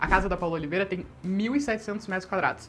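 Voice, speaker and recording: Pitch moves in an ordinary way. The delivery is very fast. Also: woman. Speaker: feng shui consultant. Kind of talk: casual vlog. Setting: rented apartment. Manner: soft-spoken, talking quietly late at night.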